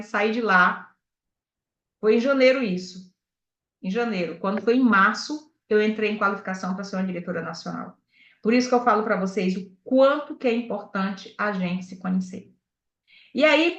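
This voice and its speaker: Animated and pitched on the high side, this woman is a sales director giving a motivational talk. She tells personal stories and asks the audience direct questions. Echo and a dull, lo-fi quality mark the recording.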